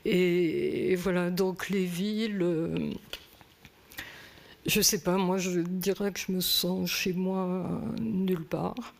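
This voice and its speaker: French woman, low gravelly voice, slow and reflective. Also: darkish tone. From France. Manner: hesitant, thoughtful, many pauses and fillers. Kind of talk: reflective conversation.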